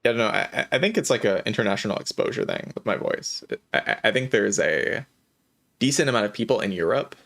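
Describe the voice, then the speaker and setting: Low-pitched man with heavy vocal fry. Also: very animated, quick pace, a bit bright. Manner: low-energy, hesitant delivery with small laughs. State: lingering cough, strained voice. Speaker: game streamer. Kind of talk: casual livestream chat while playing a game.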